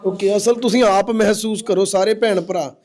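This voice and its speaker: Host: Punjabi man, high voice, gently consoling, urges viewers to help. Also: steady tone, normal speed. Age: adult. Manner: consoling, appealing to viewers as brothers and sisters. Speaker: social-service video host. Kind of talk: on-location charity appeal. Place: outdoors at a village home.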